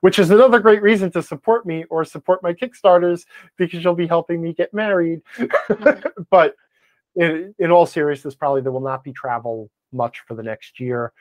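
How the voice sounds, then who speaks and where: American man, slightly high voice, dry close sound, casual podcast guest, animated rambling delivery. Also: moderate pace, no room sound. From Wisconsin, United States. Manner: rambling, animated self-deprecating rants. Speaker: podcast guest, blogger and game designer. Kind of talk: casual interview chat.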